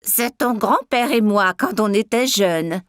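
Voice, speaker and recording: A woman voicing a kind, nostalgic grandmother in a children's cartoon, gentle and encouraging. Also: medium pitch, expressive, slow pace.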